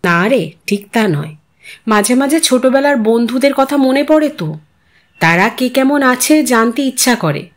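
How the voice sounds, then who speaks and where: Woman narrator as content older housewife in an audio story: talkative, earnest, reflective, fairly high voice. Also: expressive, measured pace. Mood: fond. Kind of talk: storybook character dialogue.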